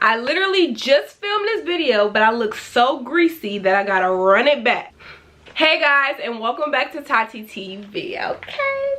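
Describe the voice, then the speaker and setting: A woman's high, raised, projected voice, animated, with very wide pitch swings at a moderate pace over noticeable background noise. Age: 20s. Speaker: lifestyle vlogger. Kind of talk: storytime vlog. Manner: casual, animated.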